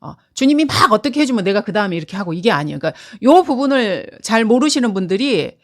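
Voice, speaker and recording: A middle-aged woman leads a Bible class, her voice rising and falling freely as she explains. She talks in an earnest, chatty way and fills pauses with small hums. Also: mid-range voice, sing-song. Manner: earnest, conversational, with many fillers. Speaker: Bible teacher. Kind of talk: Bible lesson.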